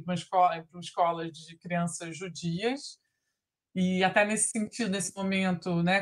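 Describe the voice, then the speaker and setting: A Brazilian woman in her forties, a biographer, talking thoughtfully from home over a video call, pausing often and restarting her sentences. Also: medium pitch. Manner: thoughtful, halting, many fillers and restarts. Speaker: biographer guest. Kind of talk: recorded video call conversation. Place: home living room with lamp. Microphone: laptop webcam video call.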